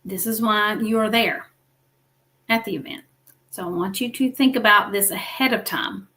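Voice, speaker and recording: A woman's voice: medium pitch, moderate pace, bright, forceful tone. A woman hosting a weekly business livestream, coaching viewers in an encouraging teaching style and often checking in with "okay?" and "right?".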